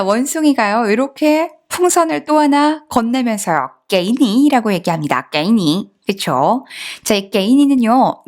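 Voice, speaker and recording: A woman with a slightly high voice gives a patient online language lesson. She explains step by step and keeps asking the listener questions. She drawls the example words out slowly. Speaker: Chinese teacher.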